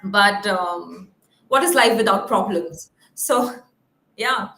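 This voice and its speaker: A woman's voice: medium pitch, slow pace, gravelly, bright, forceful tone. A woman hosting an unscripted live call-in show in an informal, chatty way. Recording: roomy, echoing sound.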